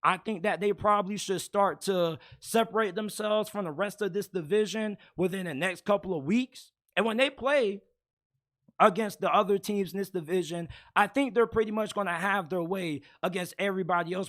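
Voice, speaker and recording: A man with a raspy, hoarse voice giving blunt, opinionated sports talk as a host, getting heated as he goes. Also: high-pitched, moderate pace, fairly bright tone. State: hoarse from yelling.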